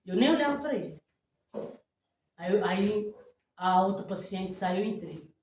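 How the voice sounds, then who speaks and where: A woman pastor with a Brazilian accent tells her testimony in an animated way, breaking into loud cries of praise. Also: mid-range voice, unhurried. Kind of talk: testimony preaching. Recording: very echoey hall from far off.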